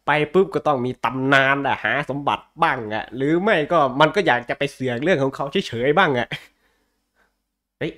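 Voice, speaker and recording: A man's voice: a little high, normal speed, pushed and bright. Blunt, slangy man chatting casually. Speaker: podcast host. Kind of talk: casual chat about comic books.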